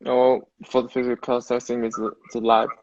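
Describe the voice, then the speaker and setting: A young man from China with a Mandarin Chinese accent, a native Mandarin speaker answering interview questions as a university student in halting, non-native phrasing. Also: mid-range voice, monotone, darkish tone, dry recording, muffled recording. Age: young adult.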